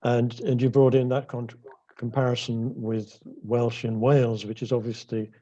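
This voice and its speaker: A man moderating an online panel discussion, thanking and summarizing the speakers in a measured way. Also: medium pitch, flat delivery, dark tone, lo-fi sound.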